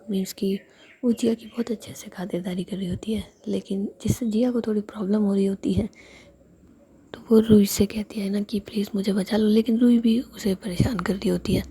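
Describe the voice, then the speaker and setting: Husky whispering woman storyteller. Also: mid-range voice. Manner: soft whisper throughout.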